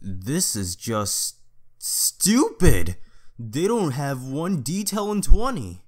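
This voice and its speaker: A man's voice: a little high, big pitch swings, slow pace, exaggerated voice. A man playing a blunt, grumbling teenage guy in a casual audio drama style. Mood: scornful.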